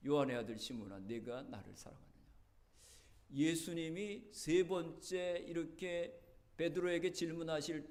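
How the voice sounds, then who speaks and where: A male pastor preaching a sermon in a church, telling the story earnestly, his voice rising and dropping. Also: a little high. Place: church sanctuary.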